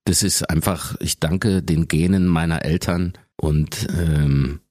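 A man in his forties with an extremely deep bass voice, telling stories casually as the guest in an interview. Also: fairly even intonation, slow, dark tone, dry recording, studio quality. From Germany.

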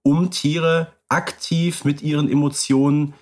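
A man's voice: on the high side, little pitch movement, a little slow, darkish tone. A man co-hosting a podcast, agreeable and matter-of-fact in casual chat. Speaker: podcast co-host.

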